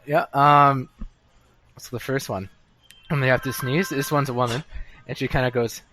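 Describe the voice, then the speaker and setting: A young man, mid-pitched, rambling through a casual podcast chat. He trips over his own words and restarts often. He is recorded at a pub table. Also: fairly even intonation, moderate pace, bright, forceful tone, a little hiss or hum. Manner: rambling, self-interrupting storyteller. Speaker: podcast co-host. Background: bar chatter.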